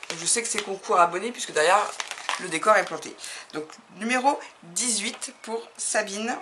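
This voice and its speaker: Opening fan mail for her craft videos, a French woman chats casually, gushes with enthusiasm, and laughs a lot. She has a mid-range voice with a sharp tone, and there's noticeable background noise in the recording.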